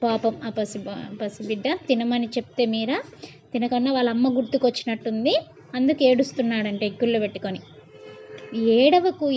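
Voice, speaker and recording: Woman storyteller, slightly high, lo-fi. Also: a little hiss or hum. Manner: reads, then retells and explains in casual asides. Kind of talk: colloquial bedtime story narration.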